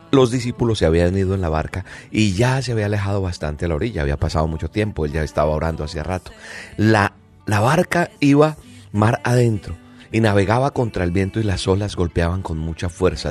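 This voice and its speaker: A man's voice: deep voice, fairly quick, darkish tone, soft background music. A man giving a devotional reflection on a Bible passage, speaking earnestly and addressing the listener directly. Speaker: preacher.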